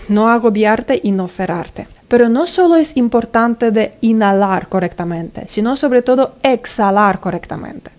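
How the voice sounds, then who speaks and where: A woman's voice: medium pitch, darkish tone. A woman singing teacher explaining vocal technique step by step and checking in with the listener.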